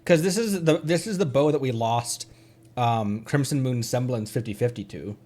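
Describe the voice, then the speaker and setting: A man's voice: mid-range voice, normal speed, darkish tone. A man giving casual live commentary on a gaming stream, rambling and thinking aloud as he goes. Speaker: streamer and host.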